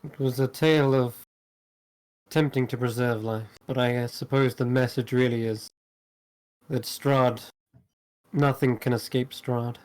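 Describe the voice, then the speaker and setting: A man improvising in character as a tabletop game player, speaking in a halting, measured, matter-of-fact way. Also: medium pitch, fairly even intonation, darkish tone, rough recording. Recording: music playing behind the voice.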